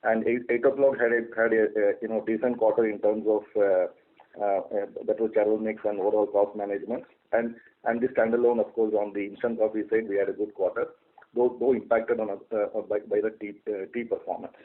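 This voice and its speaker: A man's voice: lowish voice, flat delivery, fairly quick, narrow, tinny audio. A man with an Indian accent briefing on finances as a company executive, often stalling and repeating his words. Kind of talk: semi-scripted financial briefing on a conference call. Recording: thin telephone conference line.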